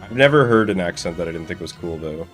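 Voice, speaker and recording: A man's voice: sits low, animated, fast, fairly bright tone. A young man with a Midwestern American accent, chatting casually and rambling with chuckles while he streams a game. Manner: rambling, chuckling, lots of fillers. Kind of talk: casual chat while gaming. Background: game audio and music.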